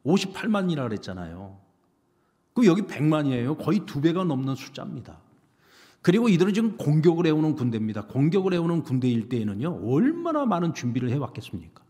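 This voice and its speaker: A man preaching a sermon as pastor, animated, asking the congregation rhetorical questions. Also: a little high, fast talker. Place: church sanctuary. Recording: reverberant church sanctuary.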